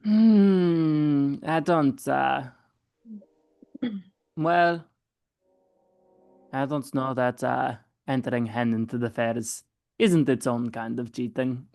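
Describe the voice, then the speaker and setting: A woman playing a guarded, skeptical scientist adventurer in a tabletop game, sardonic and halting, with some swearing and a creaky voice. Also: very deep voice, a little mellow, no echo, heavily acted.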